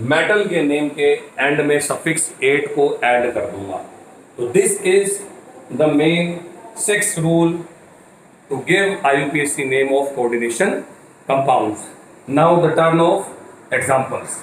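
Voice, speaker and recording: A man lectures on chemistry, walking through each step and posing questions that he then answers himself. His voice sits a bit high for a man. He is recorded from a distance in an echoey room, with faint ambience behind him. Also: a little hiss or hum. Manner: explanatory, asks and answers his own questions. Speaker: chemistry teacher. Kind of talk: classroom lecture mixing Hindi and English.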